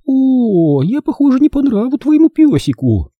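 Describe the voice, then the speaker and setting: A man's voice: very high voice, wildly swooping pitch, normal speed, no echo, phone-quality sound, pitched above the performer's own voice, full character voice. A man voicing a scheming middle-aged aunt with a syrupy, sticky-sweet voice. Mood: sickly sweet. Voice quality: syrupy sweet, turning cold.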